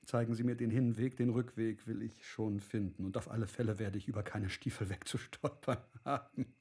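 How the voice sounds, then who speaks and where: A self-assured count with a rather low voice. He is urbane, charming and sensual, speaking in eloquent, old-fashioned formal sentences as in a literary radio drama. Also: fairly even intonation, moderate pace, mellow, breathy edge. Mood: intimate, sly.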